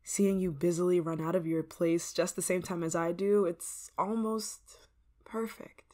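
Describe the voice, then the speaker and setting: A woman's voice: lowish voice, fairly even intonation, measured pace, slight background noise, natural voice. A woman playing a sweetly obsessive yandere neighbor. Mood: coaxing. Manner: soft-spoken, drops to whispers, sweet with creeping menace. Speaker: ASMR roleplay performer. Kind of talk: ASMR roleplay.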